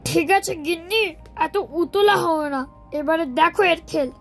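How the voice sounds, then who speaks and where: A woman's voice: very high-pitched, moderate pace, gravelly, soft background music. A woman voicing a greedy, sly younger brother in a cartoon moral story, talking in an exaggerated way. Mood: sneaky, gloating. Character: scheming, greedy younger brother, a village husband and thief.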